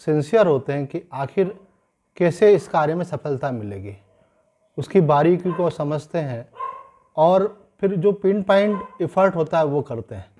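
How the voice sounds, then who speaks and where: A man gives a spiritual discourse in a fairly high voice. He explains patiently, in the manner of a sermon, and slows down to stress key points. Now and then he mixes English phrases into his teaching. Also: darkish tone. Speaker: swami giving a scripture discourse.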